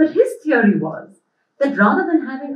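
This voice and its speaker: A woman with a somewhat breathy voice speaks at a moderate pace with very wide pitch swings. Room echo is audible, though the background is quiet. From India. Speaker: author and academic; author on a panel. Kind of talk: reading aloud. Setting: stage with audience. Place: hall. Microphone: podium.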